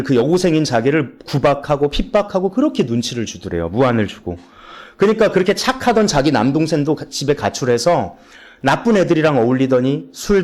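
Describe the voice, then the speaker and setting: A young man preaching a sermon in church as a junior pastor, earnest and emotional, dropping soft and low on the hard moments.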